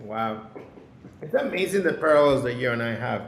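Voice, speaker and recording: A man's voice: medium pitch, expressive, moderate pace, very noisy. A man hosting a podcast, introducing and interviewing a guest in an upbeat, emphatic way. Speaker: podcast host. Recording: roomy sound with faint music.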